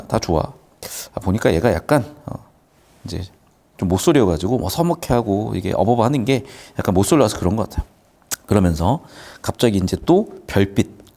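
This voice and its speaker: Lively, joking male literature tutor. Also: medium pitch. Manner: lively, jokey, acts out characters' lines. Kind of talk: classroom lecture explaining a screenplay.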